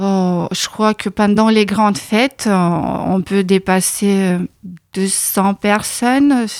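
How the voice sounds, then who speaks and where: At a very slow pace, a woman with a Lithuanian accent talks at medium pitch with fairly even intonation. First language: Lithuanian (speaking French). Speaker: expatriate. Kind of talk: interview answers, personal story.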